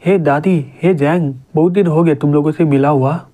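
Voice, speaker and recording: A man's voice: on the high side, moderate pace, close to an everyday voice. A man reading as an arrogant young rival. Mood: taunting. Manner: plain, flat storybook reading.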